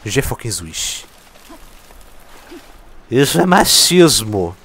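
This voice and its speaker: A man's voice: mid-range voice, drawn-out words, slightly rough. A man giving casual, profane, joking commentary while playing a video game. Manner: excitable, swears a lot, jokes at the game. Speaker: gameplay commentator. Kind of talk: casual let's play commentary. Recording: faint game music behind.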